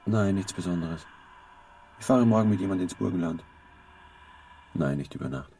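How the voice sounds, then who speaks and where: A man's voice: sits low, lively intonation, moderate pace, gravelly, warm tone, slight background noise. An actor playing an evasive male lover in a radio drama, murmuring offhand small talk.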